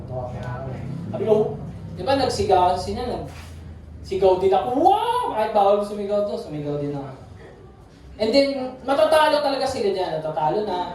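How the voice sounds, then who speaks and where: A woman's voice: fairly low pitch, warm tone. A Filipino woman giving a casual, playful youth sermon, mixing in English, recorded from a distance in a church hall. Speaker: youth speaker. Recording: echoey hall, distant mic.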